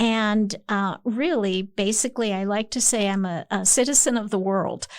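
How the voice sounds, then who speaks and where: Heard in a very clean recording over a silent background, a woman talks at a moderate pace in an unremarkable speaking voice, fairly high in pitch with ordinary pitch variation. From Texas. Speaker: retired pharmacy professor. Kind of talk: podcast interview. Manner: measured, with frequent fillers.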